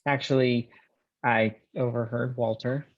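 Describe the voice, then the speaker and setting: A man's voice: medium pitch, steady tone, unhurried, no room sound, lo-fi sound, natural voice. An actor playing an eager, tender young laborer courting his sweetheart in a screenplay table read. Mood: tender, playful.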